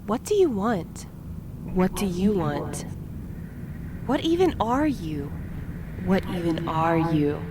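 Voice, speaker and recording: A woman's voice: lowish voice, big pitch swings, takes it slowly, long pauses, background noise. An actress playing a guarded, exasperated and sarcastic woman in an audio drama, speaking bluntly. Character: exasperated, guarded, sharp-tongued woman facing her double. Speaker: fiction podcast actor.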